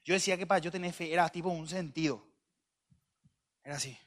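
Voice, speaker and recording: Male preacher; high, sharp-toned voice; conversational, humorous storytelling. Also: fast. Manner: joking, conversational, bursts of loud emphasis.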